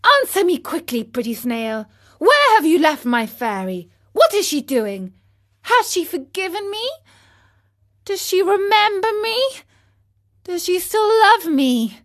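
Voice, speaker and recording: A woman's voice: high voice, sing-song, a bit bright, pitched above the performer's own voice, full character voice. A woman voicing an eager, earnest wooden puppet boy who talks in breathless, pleading bursts. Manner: breathless, pleading, rapid questions.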